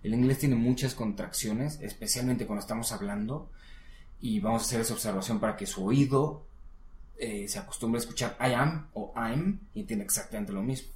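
A man's voice: medium pitch, a little fast, darkish tone. Patient Mexican man teaching English. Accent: Mexican Spanish. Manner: patient, encouraging, checks in with "¿va?". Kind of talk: casual one-on-one lesson. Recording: roomy echo.

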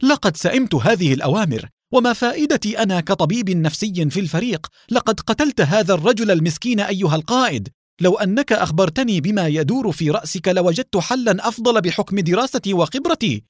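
A man voicing an agitated male psychiatrist who talks loud and reproachful, in a storybook reading. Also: sits high, animated, a little fast, no room sound, studio quality, pitched above the performer's own voice. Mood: angry.

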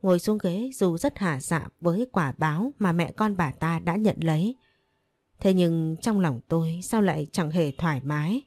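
A woman narrating a first-person story in a calm, even manner. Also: lowish voice, no echo.

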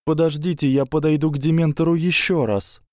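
A man voicing a young schoolgirl witch who speaks hoarsely and with determination. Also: high voice, slow pace, a little mellow, no room sound, clean studio sound, voice pushed up. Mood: tense, determined.

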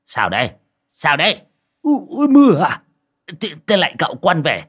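A man's voice: fairly high pitch, huge pitch swings, normal speed, a bit bright, slightly rough, pitched above the performer's own voice, exaggerated voice. A man voicing a flustered, drunk older man who stammers and rambles.

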